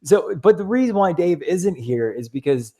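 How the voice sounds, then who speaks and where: Man, podcast host, hoarse voice, dark mellow tone, rambling chat, echoey empty office. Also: a little high, sing-song, normal speed. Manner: rambling, loose and chatty. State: hoarse, voice giving out. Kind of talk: casual sports podcast chat.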